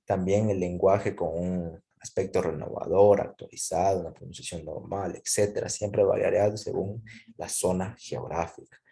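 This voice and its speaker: A man's voice: deep voice, steady tone, moderate pace, vocal fry, warm tone. A man teaching a class, explaining step by step and often checking in with his listeners. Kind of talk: classroom lecture.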